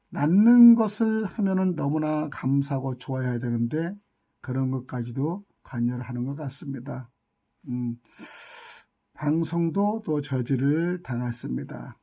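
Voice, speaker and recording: A man's voice: medium pitch, gravelly, dark tone. A man giving an impassioned monologue, scolding and lamenting with rhetorical questions and insults. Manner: scolding, indignant, hurls insults. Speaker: YouTube channel commentator.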